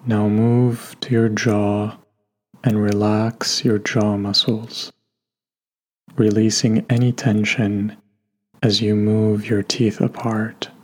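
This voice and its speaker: A man guiding a meditation in a gentle, unhurried way, leaving long pauses between instructions. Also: lowish voice, little pitch movement. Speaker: meditation guide. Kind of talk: guided meditation narration. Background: soft background music.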